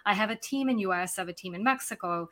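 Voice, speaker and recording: A woman in her forties, originally from Serbia, talking casually about workplace culture as a podcast guest, animated and quick to laugh, with lots of fillers. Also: medium pitch. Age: 40s. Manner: animated storyteller, laughs easily, many fillers. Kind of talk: conversational business talk.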